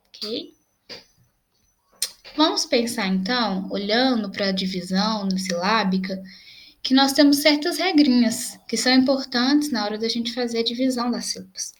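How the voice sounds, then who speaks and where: With a slightly high voice, a young Brazilian Portuguese-accented teacher walks through grammar patiently in a video lesson. She takes her time spelling out each example.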